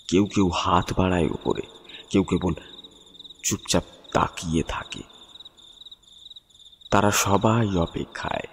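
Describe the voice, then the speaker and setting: A man narrates a dark tale in a very low, solemn voice. He takes his time, pausing dramatically between phrases, with a long reverb trailing his words. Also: slight background noise. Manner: solemn, measured, dramatic pauses. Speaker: story narrator. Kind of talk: dramatic scripted horror story narration. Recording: long reverb, music bed behind voice.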